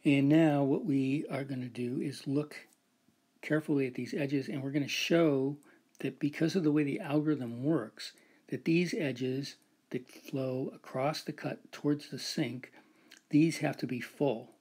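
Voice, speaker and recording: Male lecturer, slightly husky, patient step-by-step explainer of a proof, recorded whiteboard lesson. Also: medium pitch, steady tone, unhurried, a little mellow. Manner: explains step by step, often adds "right?" and "so".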